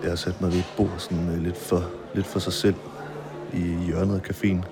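A man narrating his own story in a quiet, measured first-person documentary style, with marimba music behind him. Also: low-pitched, little pitch movement.

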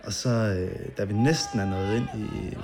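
A man being interviewed, recounting a memory in a halting way with many fillers and vivid detail. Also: lowish voice.

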